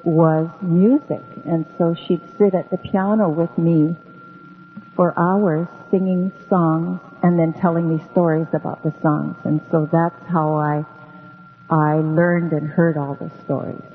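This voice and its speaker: A woman's voice: low voice, steady tone, slight background noise. Woman, meandering storyteller, phone-like narrow sound, long echoing reverb. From Hawaii. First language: Hawaiian. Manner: unhurried, meandering with many ums. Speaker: guest storyteller. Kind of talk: relaxed radio interview storytelling. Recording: tinny phone-like radio with long reverb and faint music.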